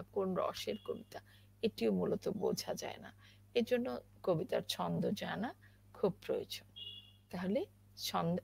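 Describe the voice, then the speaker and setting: Woman teaching poetry recitation, slow and halting, gravelly voice. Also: medium pitch. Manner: slow, halting explanation with many fillers. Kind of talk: spoken lesson on poetry recitation.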